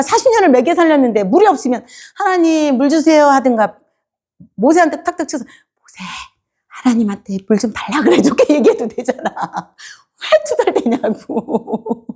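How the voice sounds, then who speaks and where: A woman preacher giving a sermon in a church, quizzing her congregation and acting out the people she talks about. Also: sits high. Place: church sanctuary.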